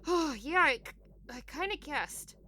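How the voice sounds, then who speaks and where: A woman playing a battered, stubborn, foul-mouthed captive in an audio drama, wry and defiant with a creaky voice. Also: high-pitched, animated, measured pace, pushed and bright, heavily acted. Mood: pained, wry.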